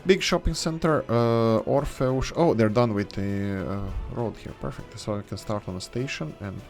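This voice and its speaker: A man with a fairly low voice gives a relaxed, rambling commentary while building a city in a strategy game. English is not his first language, and he often corrects himself mid-sentence. Faint background music plays under his talk. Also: normal speed, gravelly. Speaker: gaming channel host. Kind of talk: casual let's-play commentary.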